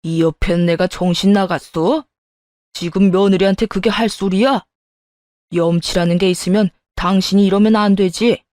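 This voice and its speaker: 여성이 연기하는 호통치는 시아버지. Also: female voice, mid-range voice, steady tone, normal speed, darkish tone, no echo, studio quality, lightly acted. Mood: furious. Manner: scolding, harsh and commanding. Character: angry older man, stern father-in-law.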